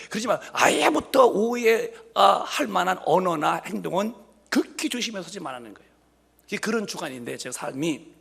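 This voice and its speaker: A pastor in his late fifties preaches with a high, lively voice that leaps up and down as he jokes with his congregation. His tone is husky and gravelly, full of rhetorical questions and playful asides. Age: 50s. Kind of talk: humorous sermon. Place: church sanctuary.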